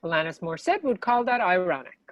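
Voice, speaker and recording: A woman's voice: lowish voice, sing-song, fast, no room sound, muffled recording. A woman playing a dry, pragmatic accomplice in a comedy table read, matter-of-fact in delivery. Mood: deadpan.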